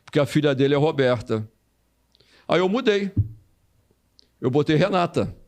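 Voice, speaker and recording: This older male ex-footballer from Brazil, a guest on an interview, spins stories in a relaxed way, repeats phrases and performs the voices of people he quotes. He sounds a little high and animated, talking at normal speed with a darkish tone.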